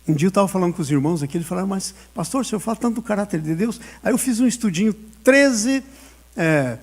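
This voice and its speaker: A man's voice: sits high, animated, fast talker, darkish tone. A male pastor preaching a sermon, telling a personal story and acting out the dialogue with frequent laughter.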